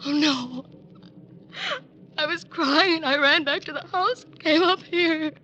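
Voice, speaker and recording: A woman's voice: sits high, measured pace, pushed and bright, muffled recording, slight background noise. An actress playing a young society woman in a 1940s radio crime drama, defensive and haughty in manner.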